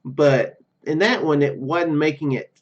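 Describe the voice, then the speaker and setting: His voice is a little high and his pace measured. As a let's-play host, he gives casual, rambling gameplay commentary interspersed with dialogue read aloud, often hesitating and repeating words, and the dull lo-fi recording carries faint music.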